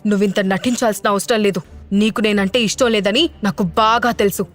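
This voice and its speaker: A woman's voice: mid-range voice, fairly even intonation, fairly quick, faint music behind, lightly acted. A woman voicing a young mother who answers her family in a cold, curt way. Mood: cold defiant.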